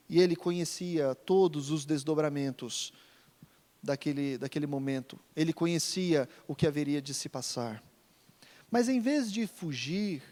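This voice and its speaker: A man's voice: sits high, darkish tone. A man from Brazil preaching an expository sermon in a church hall, emphatic and repeating phrases for stress. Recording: long church reverb.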